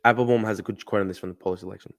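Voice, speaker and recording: A man's voice: lowish voice, fairly even intonation, rapid-fire. A young man hosting a casual livestream, answering chat bluntly, swearing and repeating himself. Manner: blunt, argumentative, swears freely, repeats phrases. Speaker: livestream host reading chat.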